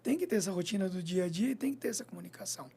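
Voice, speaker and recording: Um homem veterinário, convidado de uma entrevista de rádio, falando de forma descontraída e tagarela e pontuando as frases com "entendeu?". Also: male voice, high voice, lively intonation, very fast, gravelly, a little mellow, slightly rough. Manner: chatty, repeats "entendeu?" and "né?", acts out little scenes. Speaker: veterinarian and clinic owner. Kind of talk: radio interview guest, casual chat.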